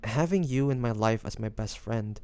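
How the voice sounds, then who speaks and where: A man playing a devoted, nervous young man in love with his best friend, speaking softly and hesitantly in an intimate romantic audio roleplay. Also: lowish voice, normal speed, natural voice. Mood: earnest, confessional. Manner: hesitant, stammering, breathy sighs.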